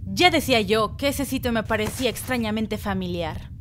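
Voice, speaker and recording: A woman's voice: mid-range voice, normal speed, over loud music, lightly acted. A woman voicing a brave, confident, boastful female hedgehog heroine in a fan dub of video game cutscenes. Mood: determined. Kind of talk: Latin American fandub of game cutscenes.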